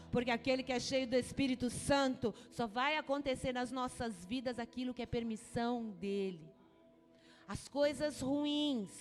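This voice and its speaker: A woman bishop with a Brazilian accent preaching a church sermon, passionate and swinging from soft, quiet passages to loud ones. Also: a little high, in a large hall. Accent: Brazilian Portuguese. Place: church hall.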